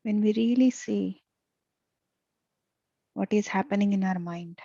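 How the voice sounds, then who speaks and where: A woman leading a guided meditation as a teacher, speaking softly and soothingly with long pauses. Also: mid-range voice, vocal fry, dry recording, muffled recording. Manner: soft, gentle, soothing delivery with long pauses.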